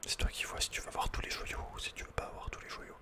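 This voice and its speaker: A man whispering unhurriedly as he thinks aloud, hosting an ASMR video game playthrough. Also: quick pace. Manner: whispering throughout. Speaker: ASMR gamer host.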